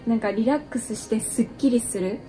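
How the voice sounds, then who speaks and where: A woman's voice: fairly high pitch, fairly quick, warm tone. Young female vlogger, casual room-tour chat, handheld camera up close, music playing underneath. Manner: chatty, mixes in English phrases, many fillers. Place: small bedroom apartment indoors.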